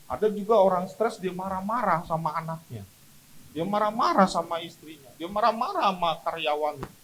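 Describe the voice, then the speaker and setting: A man's voice: high-pitched, expressive, a little fast, fairly bright tone, rough recording. A man preaching a sermon as pastor at a church service, telling stories with emphatic delivery.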